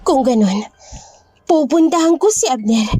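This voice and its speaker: A woman with a Filipino accent playing a young woman possessed by an aswang in a horror story, speaking flat and distant. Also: high voice, unhurried, breathy edge, dry recording, exaggerated voice. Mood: cold.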